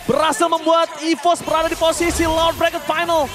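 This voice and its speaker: An Indonesian man giving excited esports play-by-play like a fighting game announcer, with dramatic shouted calls. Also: extremely high pitch, fairly quick. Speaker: esports commentator. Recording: loud music behind the voice. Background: loud music.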